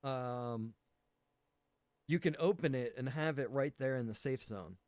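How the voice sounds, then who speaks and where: A man talks casually on a livestream in an average-pitched voice. His explanations ramble along informally, like someone organizing a game community. The sound is close and dry, with very little room. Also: unhurried, darkish tone, no room sound.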